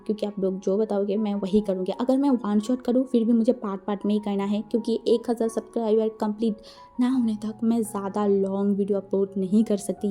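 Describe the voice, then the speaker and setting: Mellow-voiced woman telling a story casually. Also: medium pitch. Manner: chatty, retelling with Hindi-English mixing and filler phrases. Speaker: storytelling channel host. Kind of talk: casual fan-fiction storytelling.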